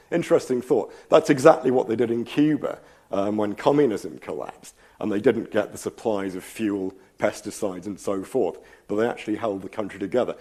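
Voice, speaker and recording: In a lecture hall, a man with a slight cold gives a public science talk as his voice starts to fray. His delivery is thoughtful and rambling, full of ums and asides, and his voice is fairly low and warm.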